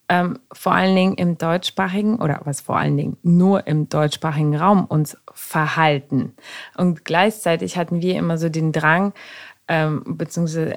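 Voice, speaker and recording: A woman hosting a podcast, explaining her thoughts at length in casual conversation with many fillers. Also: on the low side. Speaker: podcast host.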